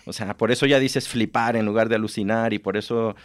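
A man's voice: fairly low pitch, fairly even intonation, brisk. A man from Mexico whose accent mixes Mexican and Spain Spanish, a guest on a radio show, explaining his ideas at length with self-deprecating humor. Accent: Mexican mixed with Spain. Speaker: radio guest, writing workshop teacher. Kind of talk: radio interview. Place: radio studio.

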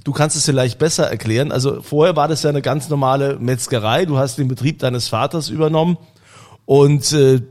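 A man's voice: mid-range voice, a little fast, darkish tone. A man co-hosting a casual wine-bar talk, interviewing in a friendly, hesitant way with fillers. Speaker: podcast co-host. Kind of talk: casual chat.

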